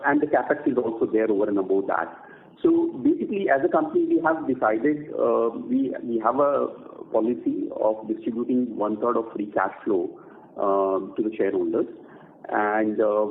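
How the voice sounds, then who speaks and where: An Indian-accented male executive explaining company policy haltingly on an earnings conference call over the phone. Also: medium pitch, gravelly, narrow, tinny audio. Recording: echoey noisy phone connection.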